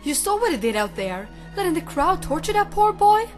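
A woman voicing a defiant, sharp-tongued young gypsy dancer in an amateur cartoon fandub, with a sardonic, challenging manner. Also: extremely high pitch, sing-song, fairly quick. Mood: indignant. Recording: music behind the voice.

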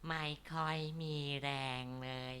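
A woman's voice: takes it slowly, a bit bright. A woman voicing a weary, sluggish bug customer with no energy, in a children's storybook. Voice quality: tired, sluggish.

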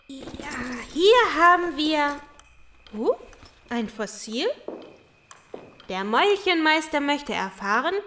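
A woman playing a ceremonious little creature assistant in a children's audio drama, formal and deliberate. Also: high voice, sharp tone, slight background noise, exaggerated voice. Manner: formal, deliberate, puzzled pondering. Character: ceremonious female mouse-folk assistant presenting found objects.

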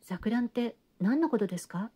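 A gentle young man speaks up quietly and a little hesitantly, earnest and polite, as a woman reader puts him on. The voice is soft and mellow. It is a classic-novel audiobook. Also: medium pitch, fast, lightly acted.

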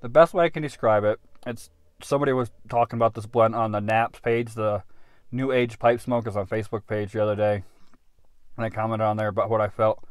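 Halting man reviewing casually, dry close sound. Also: on the low side, steady tone, clear, resonant tone, dry recording. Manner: halting, unhurried, thinking aloud. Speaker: pipe tobacco reviewer. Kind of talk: casual off-the-cuff product review. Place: inside a parked car.

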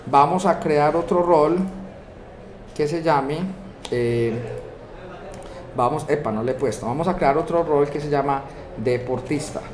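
A man with a Colombian Spanish accent, teaching a software course and walking through a screen-recorded tutorial step by step, often checking in with rhetorical questions. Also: on the high side, unhurried, pauses often, crowd noise. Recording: echoey room with steady background noise.

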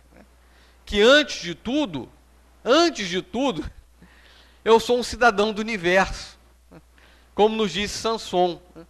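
A man's voice: sits high, fairly bright tone. A middle-aged Brazilian man giving a conversational spiritist lecture, standing and gesturing, often tagging lines with "né?", in a small hall picked up by a room mic. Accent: Brazilian Portuguese. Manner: standing and gesturing while speaking. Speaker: speaker giving a public talk.

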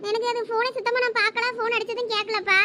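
A woman's voice: extremely high pitch, level tone, fast talker, heavy background noise. A young woman playing a frightened college student caught lying to her father, anxious and pleading. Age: young adult. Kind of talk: village comedy skit acting.

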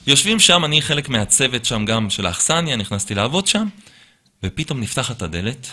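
A man, a rabbi, telling a personal story in an animated way and acting out the quotes. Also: mid-range voice. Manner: lively storyteller who acts out quotes.

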